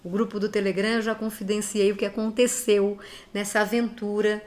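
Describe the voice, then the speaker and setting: A woman's voice: medium pitch, flat delivery, normal speed, darkish tone. A woman from Brazil speaks straight to her audience with a cold in her voice. She is earnest and emphatic, pressing each point home as she urges her listeners to act. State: has a cold. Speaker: speaker giving reflections to followers. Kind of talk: direct-address motivational talk.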